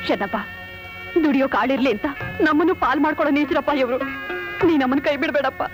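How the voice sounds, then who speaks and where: A woman's voice: high-pitched, fast, lightly acted. A woman playing a fierce scolding village mother. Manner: sharp, scolding. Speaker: mother of the family. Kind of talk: film drama acting. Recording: film soundtrack with music behind.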